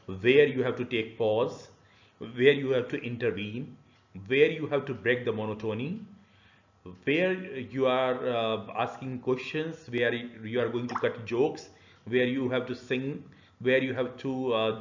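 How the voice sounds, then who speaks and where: A middle-aged man with an Indian accent giving an explanatory online lecture, phrasing haltingly with many filled pauses. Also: mid-range voice. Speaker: university lecturer. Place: small indoor room. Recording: dull, boxy, roomy webcam audio.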